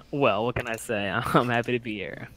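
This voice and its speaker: A man's voice: medium pitch, normal speed, heavy background noise. A young man as a podcast guest, chatting casually in a jokey, slangy way. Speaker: podcast guest, YouTube cartoon animator. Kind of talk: casual joking chat.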